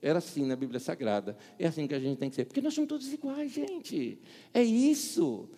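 Middle-aged male pastor, lively high voice, storyteller who acts out dialogue, booming church hall. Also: fairly quick. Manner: animated storyteller, acts out dialogue, laughs at own jokes. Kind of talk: sermon with humorous anecdotes.

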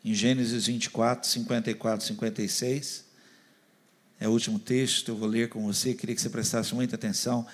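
A man preaching a sermon who swings between loud, animated urging and soft, close appeals, often putting questions to the congregation. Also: medium pitch, fairly quick. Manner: addresses the congregation directly, asking questions.

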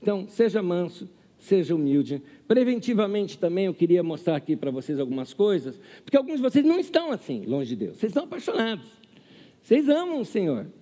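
A man's voice: sits high, very animated, a little fast, dark tone. A man preaching a sermon as pastor to his congregation, with rhetorical questions and acted quotes. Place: church hall. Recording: long hall reverb.

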